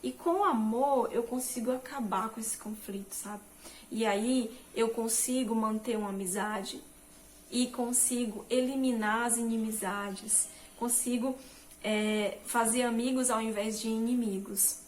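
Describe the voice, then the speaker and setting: Gentle Christian woman giving a devotional talk. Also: a little high, steady tone, measured pace, slight background noise. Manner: gentle, reflective, with many fillers and rephrasings. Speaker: Christian motivational speaker.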